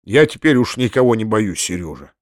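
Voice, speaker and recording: A man voicing an excitable middle-aged landowner uncle, a former cavalry officer, who swings from heartfelt pleading to shouted orders. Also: on the low side, brisk, dry recording, studio quality, voice pushed down. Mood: agitated. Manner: emotional, bursts into furious shouted orders.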